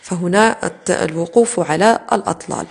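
Lower-voiced woman teaching a lesson. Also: gravelly, darkish tone, husky. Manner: methodical, dictates slowly and repeats key words. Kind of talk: recorded lesson explaining exam answers.

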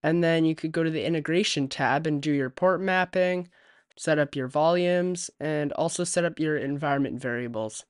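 Smooth-voiced man explaining software steps. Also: a little high, normal speed, dry recording, studio quality. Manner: steady step-by-step instruction. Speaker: tech tutorial host. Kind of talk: screen-recorded software tutorial. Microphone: USB desk microphone.

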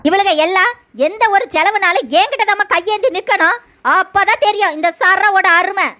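A woman's voice: very high voice, fairly quick, bright, forceful tone. A woman voicing a domineering, scolding middle-aged mother-in-law in a cartoon. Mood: bossy. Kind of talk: cartoon voice acting.

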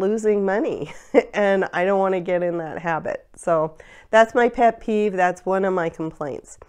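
A woman's voice: lowish voice, darkish tone, smooth. A woman in her forties, congested from a cold, chatting casually to camera on a lapel mic as she vents about running her online store. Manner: chatty, venting with frequent laughs. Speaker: online parts store owner. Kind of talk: casual vlog rant. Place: home room lined with storage drawers.

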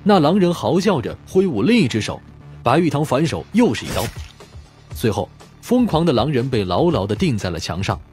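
A man's voice: mid-range voice, sing-song, a little fast, a little mellow, faint music behind. A man reading a crime novel as a scripted, dramatic audiobook narration.

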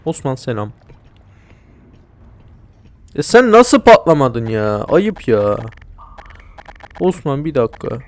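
A man's voice: mid-range voice, very animated, takes it slowly, pauses often, no room sound. A young man casually commenting on a video game, joking and talking back to the characters and the viewers. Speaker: let's play commentator.

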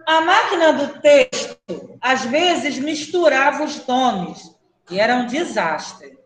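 A woman with a Brazilian Portuguese accent teaching a primary class online, brisk and questioning, calling pupils by name. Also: high voice, animated, roomy sound, rough recording.

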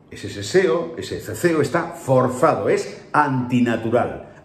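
A man's voice: medium pitch, a little mellow. A male voice-over artist from Spain with a Spain Spanish accent, ranting emphatically and scolding in an opinionated commentary. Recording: echoey room.

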